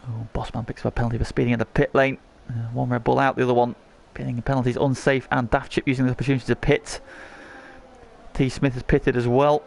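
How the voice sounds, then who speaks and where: A man's voice: mid-range voice, little pitch movement, fast talker, creaky, darkish tone. A man working as lead motorsport commentator on a race, calling the action in short present-tense phrases.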